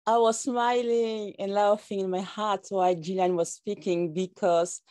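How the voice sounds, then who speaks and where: A woman's voice: mid-range voice, fairly even intonation, a little slow, a little mellow, no echo. Hesitant woman founder on a video call. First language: French is not her first language. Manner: hesitant, many fillers and restarts. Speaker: startup founder. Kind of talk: panel discussion on a video call. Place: plain-walled room indoors.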